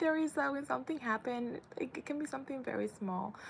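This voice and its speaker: A woman's voice with noticeable background noise. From Latin America. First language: Spanish. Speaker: vlogger. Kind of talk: casual chat. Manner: hesitant, many fillers.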